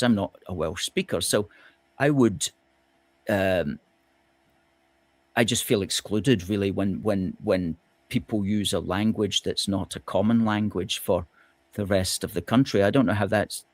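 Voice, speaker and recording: A man hosting a political discussion, measured and questioning, with hesitant fillers. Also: on the low side, no echo. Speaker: host.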